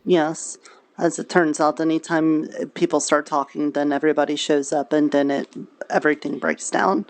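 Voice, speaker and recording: A woman's voice: low voice, steady tone, moderate pace. A woman speaking in character in an improvised, conversational roleplay. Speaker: roleplayer in a virtual reality game.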